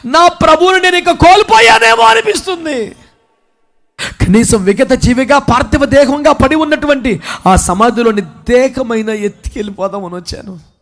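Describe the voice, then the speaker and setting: A male preacher voicing Mary Magdalene as a repentant woman disciple grieving her lost Lord, pleading fervently in the first person and rising to shouts. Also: extremely high pitch, normal speed. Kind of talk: dramatized sermon monologue.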